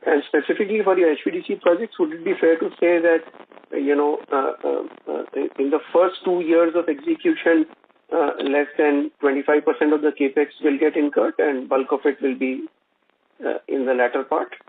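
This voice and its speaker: Halting man on a tinny phone line. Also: a little high, fairly even intonation. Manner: halting, hesitant phrasing with many repeated uhs. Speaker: analyst asking questions on an earnings call. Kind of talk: business conference call questioning. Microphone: telephone conference line.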